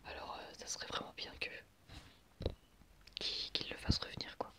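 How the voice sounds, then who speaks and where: A young man whispering in a breathy, unvoiced voice as he gives ASMR commentary in a reflective, hesitant, rambling way. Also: moderate pace. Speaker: ASMR video creator.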